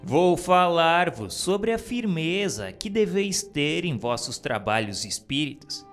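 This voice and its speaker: A man giving a solemn, earnest reading of a religious text, measured and exhorting. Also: on the high side. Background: faint music.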